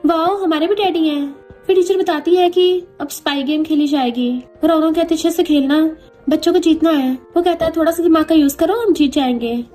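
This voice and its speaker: A woman with a very high voice recaps a drama in a chatty storytelling way. She speaks each character's lines in her own voice. Faint music plays behind her. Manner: lively, voices every character in the same voice.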